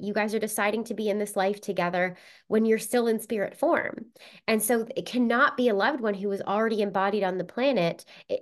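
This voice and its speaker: A woman with a cold and a stuffed-up voice, explaining spiritual ideas in a casual, conversational way, often checking in with "right?". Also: a little high. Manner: conversational, frequent "right?" and "you know" fillers. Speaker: spiritual teacher.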